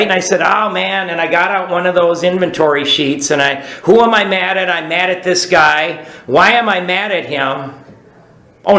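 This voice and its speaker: A man shares his recovery story in a rambling, casual way, full of restarts, with a regular "right?" to his listeners. His voice sits a little high and sounds bright and ringing. The room gives it a roomy echo. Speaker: recovery speaker. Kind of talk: recovery talk.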